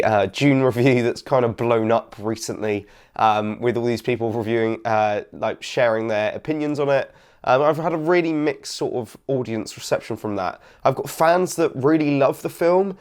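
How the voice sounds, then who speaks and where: Slightly raspy young man, rambling. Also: medium pitch, darkish tone. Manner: rambling, many ums and sort ofs. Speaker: film reviewer. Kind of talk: casual vlog review.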